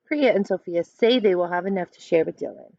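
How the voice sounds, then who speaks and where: A woman in her thirties reading a children's book aloud like a teacher, expressive and instructive, pausing to explain. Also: on the low side, creaky, no echo. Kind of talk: read-aloud storytelling with explanations. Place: small furnished room indoors at home. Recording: dull lo-fi webcam sound.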